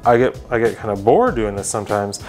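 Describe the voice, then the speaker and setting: A young man with a lowish voice walks viewers through a recipe in his home kitchen. He speaks straight to the camera and slips in dry, deadpan jokes between the steps. Soft music plays faintly behind him. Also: brisk. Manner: deadpan joking asides to the viewer. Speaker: cooking show host. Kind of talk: scripted cooking demonstration.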